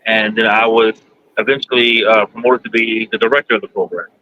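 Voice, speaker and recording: A man in his forties from Kentucky, a guest answering interview questions in a halting, plainspoken way with many pauses. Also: lowish voice, fairly even intonation, a crowd in the background. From United States, Kentucky. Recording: dull lo-fi sound, faint background noise.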